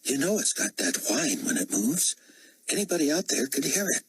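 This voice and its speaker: A man doing a soft, coaxing wife. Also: medium pitch, sing-song, moderate pace, husky, voice pushed up, heavily acted. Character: caring wife, gentle and firm.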